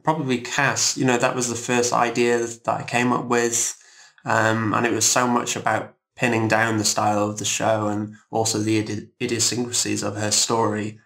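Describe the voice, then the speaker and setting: Man, low-pitched, gravelly, halting and thoughtful, composer in an interview. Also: a bit bright. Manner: halting, thoughtful, pausing often. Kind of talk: casual interview discussion.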